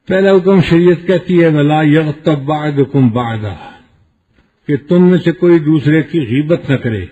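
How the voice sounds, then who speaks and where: A man preaching a sermon in a husky, slightly raised voice, teaching through everyday examples and little acted quotes. The recording is dull and lo-fi. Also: on the high side, warm tone. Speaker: Islamic preacher.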